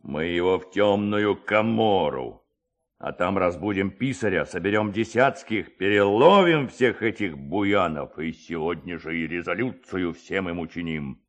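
A man voicing a blustering middle-aged village headman, slow, weighty and imperious, in a dramatised story. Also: low-pitched, lively intonation, pitched below the performer's own voice. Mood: grimly triumphant.

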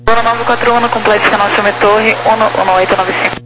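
A woman's voice comes over a noisy aviation radio. She is an approach controller instructing pilots over the radio, procedural and very even, with almost no movement in pitch. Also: moderate pace. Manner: procedural, flat. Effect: aviation radio transmission. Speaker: approach air traffic controller. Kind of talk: radio air traffic instructions.

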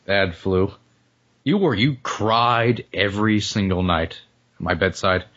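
A male podcast co-host, hoarse and losing his voice after the flu, chatting casually and joking with frequent laughs. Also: fairly low pitch, takes it slowly, fairly bright tone, muffled recording. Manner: joking, rambling, laughs often. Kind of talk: casual comedic chat.

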